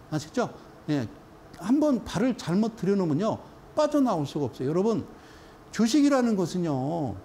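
A middle-aged man with a high-sitting, mellow voice lectures on stock charts in a studio, speaking emphatically and repeatedly checking in with his viewers. A little hiss or hum can be heard.

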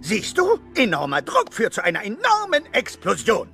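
Ein exzentrischer Abenteurer-Wiesel, quirlig und überdreht. Die Stimme liegt sehr hoch und springt lebhaft. Hinter ihm läuft deutlich hörbare Filmmusik. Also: male voice, high-pitched, huge pitch swings, moderate pace, creaky, over music, full character voice. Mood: excited. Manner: manic, theatrical, jumps between silly voices. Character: excitable eccentric male weasel adventurer, manic. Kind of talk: German audio drama dubbing.

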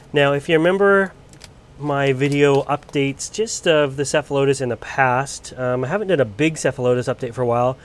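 Male grower, recovering from a cold, chatty and unpolished, off-camera handheld vlog voice. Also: mid-range voice. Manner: chatty, loose, lots of ums and restarts. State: getting over a cold. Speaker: plant grower showing his collection. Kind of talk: casual filmed walk-through. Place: indoor grow area under bright lights.

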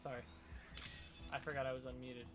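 A man's voice: medium pitch, flat delivery, a little fast, music in the background. A man from Pennsylvania with an American accent, chatting casually and playfully as he streams a video game. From Pennsylvania, United States. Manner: goofy, playful. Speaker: gaming streamer. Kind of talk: casual joking game chat.

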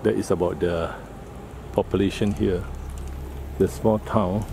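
A lower-pitched man talks through a casual travel vlog. He makes brief, halting remarks as he walks around a rural train station. A camera mic picks him up over heavy outdoor noise. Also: fairly even intonation, creaky. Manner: halting, short remarks while filming. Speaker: travel vlogger.

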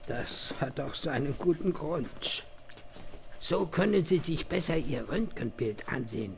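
A man playing a polite, secretive doctor with a measured, sinister manner in a horror audio drama. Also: on the high side, animated, vocal fry, a little mellow. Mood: calm, polite. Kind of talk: German horror radio drama acting.

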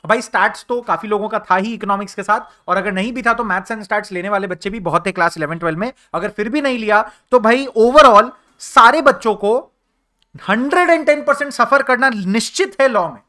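Young Indian male tutor, casual lecture style, bright tone, code-switches constantly. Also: sits high, fairly quick. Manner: chatty, mixes Hindi and English, calls listeners brother. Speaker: teacher. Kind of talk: exam revision lecture.

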